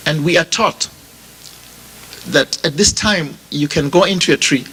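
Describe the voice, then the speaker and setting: A man with a Zimbabwean accent preaching a sermon as a pastor, speaking deliberately and repeating phrases for emphasis as he addresses his listeners directly. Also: on the high side, bright, forceful tone, a little hiss or hum, low-quality recording. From Bulawayo, Zimbabwe. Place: funeral service before a congregation.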